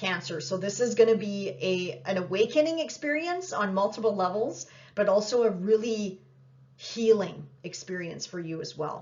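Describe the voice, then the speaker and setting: A woman speaks at a moderate pace in a medium pitch, her somewhat breathy voice carrying lively intonation and big swings in loudness. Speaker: astrologer. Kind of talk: horoscope forecast monologue. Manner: casual, conversational.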